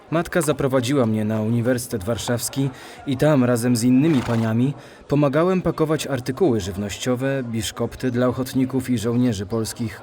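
A man playing an elderly male city dweller recalling his childhood, in a measured, reflective memoir reading. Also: medium pitch, a little mellow, slight background noise, close to an everyday voice.

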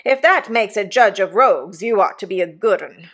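A woman voicing a gruff, growling, quarrelsome young journeyman blacksmith with rustic working-class speech, in a storybook reading. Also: medium pitch, expressive, moderate pace, fairly bright tone. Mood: menacing.

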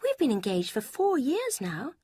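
A woman voicing a sly young woman who gushes secrets in a sweet, breathy way, with a husky tone. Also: high voice, wildly swooping pitch, normal speed, warm tone, no room sound, studio quality, voice pushed up, exaggerated voice. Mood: confiding.

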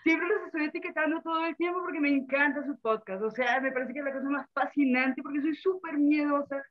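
A woman from Colombia with a Colombian accent calling into a live show, effusive and quick to laugh. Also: sits high, narrow, tinny audio. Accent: Colombian Spanish. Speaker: caller, fan of the show. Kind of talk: excited live call-in chat.

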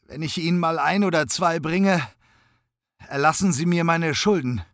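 A frightened young suspect in an audiobook, whining and close to tears, his voice pitched well up and pushed loud, as a male narrator puts him on. The sound is close and dry. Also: moderate pace, no echo. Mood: pleading. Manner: tearful, pleading.

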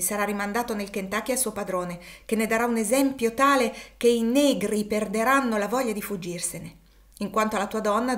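A woman's voice: mid-range voice, natural voice. A woman voicing a shrewd, brash man who guides fugitives, telling his account with a wry manner. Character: brash shrewd male backwoods Quaker guide.

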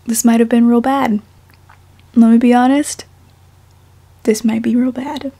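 A young woman speaking softly and unhurriedly, as an amateur reader of her own fiction. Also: on the high side, level tone, unhurried, gravelly, noisy background. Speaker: fan fiction author and podfic reader. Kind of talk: audiobook-style story narration, then casual self-conscious chat.

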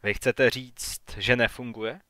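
A man voicing an uneasy, cautious man back in his hometown in an audiobook, speaking haltingly. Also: mid-range voice, steady tone, sharp tone, no room sound, studio quality, lightly acted. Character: shaken, wary man returning to his hometown.

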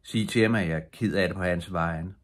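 A kindly middle-aged café owner from an audiobook, friendly and solicitous, as a man reads him. His voice is low and husky.

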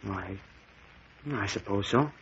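An actor playing an uneasy, guarded young college student in an old-time radio drama. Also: male voice, on the low side, takes it slowly, vocal fry, a bit bright, husky, exaggerated voice. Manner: guarded, short answers. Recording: muffled old radio recording.

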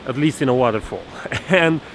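A man's voice: medium pitch, rough recording. A man in his thirties giving a photography tutorial to camera outdoors by a snowy forest stream, explaining step by step with fillers and restarts, filmed at arm's length. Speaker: photography instructor. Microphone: camera held at arm's length. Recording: outdoor recording with stream noise. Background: rushing stream water.

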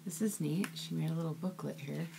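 A woman's voice: deep voice, a little fast, creaky, background noise. A woman chatting casually as she unpacks craft mail, gushing with "ooh" and "so cute" at every item. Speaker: crafting vlogger. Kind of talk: casual unboxing chat.

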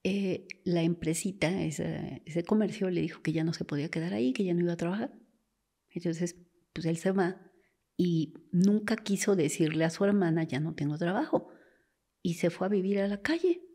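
A forensic doctor tells stories in conversation with a husky, dark, lowish voice at normal speed. She voices the people she quotes and now and then sinks into a whisper.

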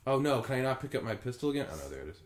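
A young man in casual co-op gaming chat, sardonic and quick to swear. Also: medium pitch, very animated. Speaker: gamer in co-op play. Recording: roomy, echoey voice recording.

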